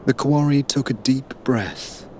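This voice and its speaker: A man playing a silky, sinister storyteller, narrating a hypnotic dark fairy tale with theatrical, lingering words. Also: medium pitch, a little slow, a little hiss or hum, lightly acted. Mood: scornful, ominous. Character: sinister, silky storyteller lulling a traveler to sleep. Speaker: bedtime storyteller.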